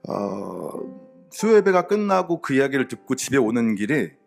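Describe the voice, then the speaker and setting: A middle-aged man, a pastor, gives a sermon and shares a personal testimony in a candid, conversational way, with fillers and soft laughs. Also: medium pitch, sing-song, moderate pace, vocal fry, soft background music.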